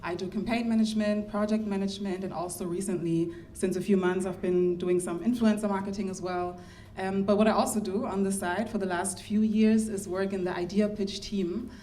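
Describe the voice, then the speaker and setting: A woman working in marketing, introducing herself on a live podcast panel in a polite, measured way. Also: medium pitch, steady tone, dark tone, slight background noise.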